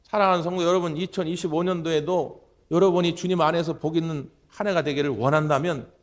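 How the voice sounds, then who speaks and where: A man's voice: fairly high pitch, fairly even intonation, quick pace. A male pastor preaching a sermon, telling stories and urging his congregation on with emphasis. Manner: storytelling, emphatic exhortation.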